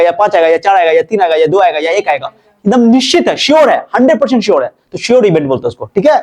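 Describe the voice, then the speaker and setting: Man, maths teacher, classroom lesson, high voice, animated, repeats and quizzes. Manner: lively, repeats and quizzes students.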